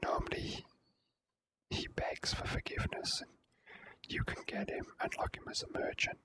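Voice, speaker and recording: Someone whispering softly over a video game, asmr style, slow n relaxed. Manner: hushed, unhurried, relaxed. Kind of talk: whispered ASMR let's play commentary.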